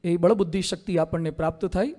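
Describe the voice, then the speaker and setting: High-voiced Gujarati monk preaching. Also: male voice, fast. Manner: animated, mocks people in quoted voices, repeats for emphasis. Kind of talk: Gujarati religious discourse.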